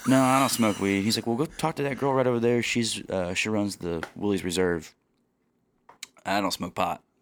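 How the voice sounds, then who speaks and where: A man with an American accent and a plain, everyday voice, fairly low in pitch, with ordinary pitch variation and a moderate pace. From Kansas City area, US Midwest. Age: 20s. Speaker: singer-songwriter. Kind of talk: casual interview chat.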